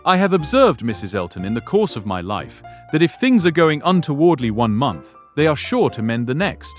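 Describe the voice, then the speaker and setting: An actor playing a talkative, sanguine older gentleman in a period audiobook drama, speaking in a genteel, rambling, effusive way. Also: medium pitch, sing-song, normal speed, faint music behind, close to an everyday voice. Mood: effusive, delighted. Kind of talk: full-cast audiobook period drama acting.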